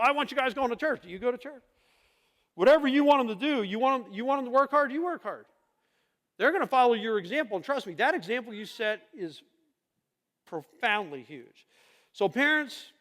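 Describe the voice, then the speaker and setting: A middle-aged male pastor preaches in a relaxed, conversational way, pressing his points with emphasis. He often turns to the congregation with rhetorical questions. His voice sits high, and it rings with the long reverb of a church hall. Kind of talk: conversational sermon. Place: church sanctuary.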